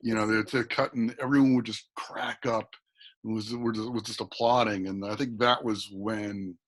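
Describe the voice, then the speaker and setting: A man in his thirties, guest actor on a podcast, talking casually with a deep voice, often repeating words and laughing. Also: fairly even intonation, normal speed.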